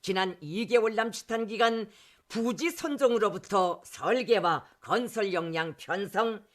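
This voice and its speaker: A man's voice: sits high, fairly bright tone. A man with a North Korean accent reading a formal scripted political speech in a solemn, emphatic, declamatory manner.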